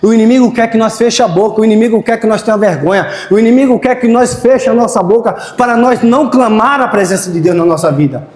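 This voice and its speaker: A man with a very high voice prays fervently before a congregation, circling back again and again to the same short phrases. The sound is roomy, with a long church reverb trailing each line. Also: fast, few pauses, darkish tone. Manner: fervent, repetitive prayer phrases. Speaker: preacher. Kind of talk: sermon and spoken prayer. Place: church hall.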